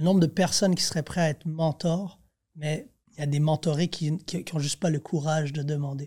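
On a very clean recording with a silent background, a man with a fairly high pitch and a dark, mellow tone speaks at a fairly quick pace with fairly even intonation. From Montreal, Quebec. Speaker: entrepreneur and real estate investor. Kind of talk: casual chat.

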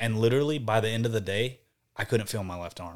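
A man with a Southern accent talks at a fairly quick pace, his pitch medium with ordinary variation. The recording is very clean, with a silent background. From Texas. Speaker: metalcore vocalist and barber. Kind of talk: casual chat. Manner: animated.

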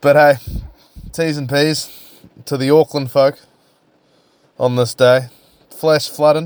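A man with a New Zealand accent and a fairly high pitch, in a very clean recording with a silent background. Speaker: podcaster and amateur open mic comedian. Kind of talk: casual solo podcast monologue with humor. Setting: home studio with rain noise in background. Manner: animated, rambling, joking.

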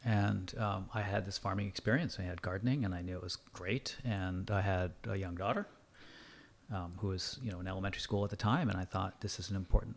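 Recorded very cleanly against a silent background, a man with an American accent talks in a fairly low pitch and a somewhat breathy voice. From US New England (Andover, Massachusetts). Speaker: retired communications lecturer. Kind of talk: casual interview. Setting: at host's home.

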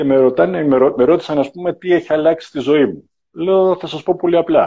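A man speaks with a fairly high pitch in a dark, mellow tone at a moderate pace. His intonation stays fairly even over a quiet background. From Greece, Agrinio. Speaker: paraplegic mentor and motivational speaker. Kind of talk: interview.

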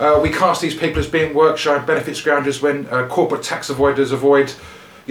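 A man rattles along at a very fast pace, his intonation fairly even, with noticeable background noise present. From UK. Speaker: podcast co-host. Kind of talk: casual chat.

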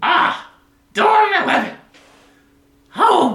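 Someone speaks in a put-on character voice at an extremely high pitch. Echo is audible. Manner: excited, quirky, exclaiming.

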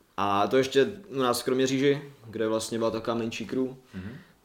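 A man speaks in a monotone, flat intonation. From Czechia, Kroměříž (Moravia). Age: 20s. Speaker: gym member, streamer. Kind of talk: casual interview chat.

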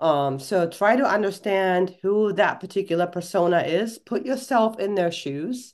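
A woman's medium-pitched voice with a German accent, fairly slow pace and ordinary pitch variation against a quiet background. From Germany. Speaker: company CEO, interviewee. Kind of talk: interview conversation.

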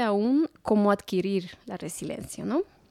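On a very clean recording with a silent background and a dry, close sound with no echo, a woman speaks at a moderate pace with a dark, mellow tone and lively intonation. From Latin America. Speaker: podcast co-host. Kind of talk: casual chat. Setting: radio studio.

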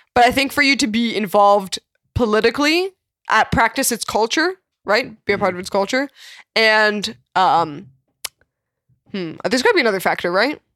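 Her intonation lively and her pace moderate, a woman leaves long, frequent pauses in a dry, close sound with no echo. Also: fairly high pitch for a woman. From Ukraine, raised in Canada. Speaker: political commentator. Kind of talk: casual discussion.

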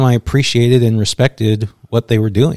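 A man with an American accent talks at a fairly quick pace with fairly low pitch in an ordinary speaking voice. The recording is very clean, with a silent background and a dry, close sound with no echo. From Southern California. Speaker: retired police lieutenant. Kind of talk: interview.

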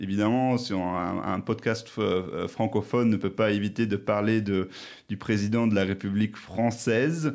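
A man's fairly low-pitched voice at a fairly slow pace, on a very clean recording with a silent background. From Luxembourg. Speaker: journalist, podcast co-host. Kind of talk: casual chat. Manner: halting.

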